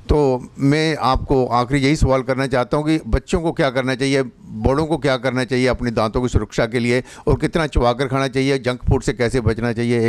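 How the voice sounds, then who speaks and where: A man's voice: mid-range voice, a little mellow, smooth, no room sound. A man from Punjab interviewing a dentist, respectfully summing up the guest's points and asking follow-up questions. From Punjab, India. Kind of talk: local interview.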